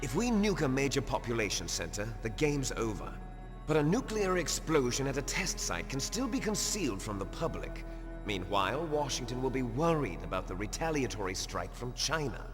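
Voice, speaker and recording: A man acts out a ruthless terrorist commander in a video game cutscene, grandiose and menacing. His delivery swings widely in pitch as he gives orders. Long reverb and clear background music surround him. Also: very animated, normal speed, natural voice. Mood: cold scheming. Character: ruthless male military commander of a terrorist unit, megalomaniac. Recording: long hall reverb under loud music.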